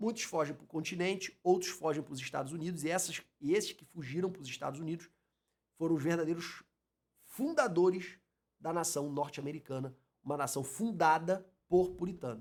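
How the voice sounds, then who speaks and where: A high-pitched man speaks with big swings in loudness. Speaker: evangelist and Bible school teacher. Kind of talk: lecture. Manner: fast.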